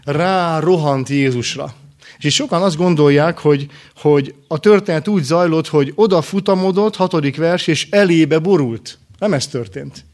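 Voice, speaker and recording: Guy preaching a sermon, fairly high voice, short earnest phrases, asks the congregation questions. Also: darkish tone. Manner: earnest, uses rhetorical questions; speaks in short phrases with pauses.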